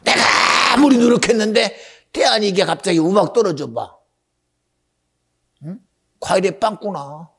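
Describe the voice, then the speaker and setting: A middle-aged man preaching to his congregation, his voice high and rough with fry. He quizzes listeners directly, then drops to near-whispers before rising to shouted climaxes. The pitch swings widely throughout. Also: animated, a little slow, pauses often. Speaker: pastor. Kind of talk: sermon.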